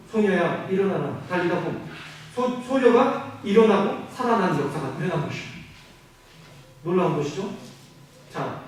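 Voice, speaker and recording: A man preaching a sermon as pastor, animated, asking the congregation questions and answering them himself. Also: very high-pitched. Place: church sanctuary. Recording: very echoey hall, mic at a distance.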